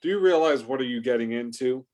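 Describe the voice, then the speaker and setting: A man's voice: mid-range voice, expressive, quick pace, a little mellow, close to an everyday voice. A man playing a threatening hardcore giant wrestler in a staged promo reading. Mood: taunting warning.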